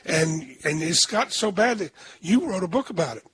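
An older man with a hoarse voice, hosting a radio talk show in a chatty, rambling way. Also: high-pitched, expressive, moderate pace, fairly bright tone.

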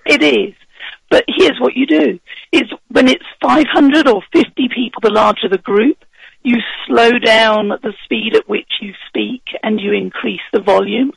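A man with a husky voice, worn from speaking the week before, giving confident, instructive advice on presenting as a guest in a radio interview. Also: extremely high pitch, measured pace, a bit bright, dry recording, low-quality recording.

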